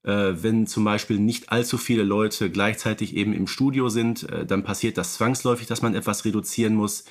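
A man's voice: fairly low pitch, fairly even intonation, fairly quick. Man, analytical podcast co-host. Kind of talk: conversational podcast discussion.

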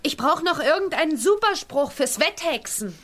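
A woman's voice: high voice, very animated, normal speed, fairly bright tone. An actress playing an eager, pouty young witch girl in a children's audio drama.

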